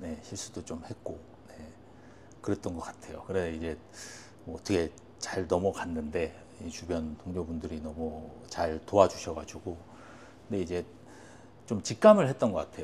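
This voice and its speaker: A man with a very deep, low voice speaks at a moderate pace with fairly even intonation, a somewhat breathy sound, big swings in loudness, and long, frequent pauses. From South Korea, Changwon. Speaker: full-time stock trader. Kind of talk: interview. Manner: halting.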